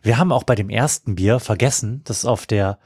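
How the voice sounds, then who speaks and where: A man's voice: fairly low pitch, brisk, a little mellow, breathy edge, no room sound. A man co-hosting a podcast, talking in long, orderly sentences with dry amusement. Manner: wordy, orderly, dryly amused. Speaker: podcast co-host. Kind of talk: casual podcast chat.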